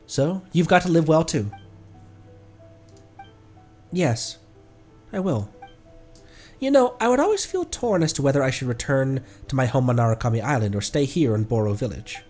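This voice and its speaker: A man voicing a gentle, curious village girl in a sincere, questioning way. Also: mid-range voice, very animated, moderate pace, long pauses, soft background music. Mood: wistful.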